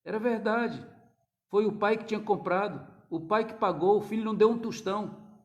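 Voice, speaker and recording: A male pastor preaching an impassioned sermon, addressing the congregation as brothers and swinging between loud cries and hushed tones. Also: sits high, normal speed. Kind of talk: fervent sermon.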